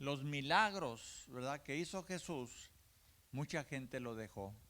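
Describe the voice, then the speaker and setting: A man at medium pitch with a bright, sharp tone and lively intonation, at a very slow pace. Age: 70s. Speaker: preacher. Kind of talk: sermon. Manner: casual, full of fillers and repetitions.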